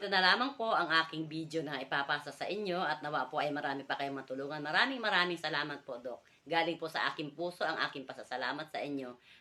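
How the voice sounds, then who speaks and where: The voice races at a very fast pace with hardly any pauses over noticeable background noise. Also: woman, very deep, low pitch for a woman, ordinary pitch variation. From Philippines, Quezon province. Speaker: cancer survivor. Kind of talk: testimony. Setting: recorded video message.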